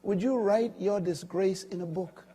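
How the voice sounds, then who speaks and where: An older man preaching a sermon, swinging from loud emphatic peaks to quiet low asides. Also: measured pace, breathy edge.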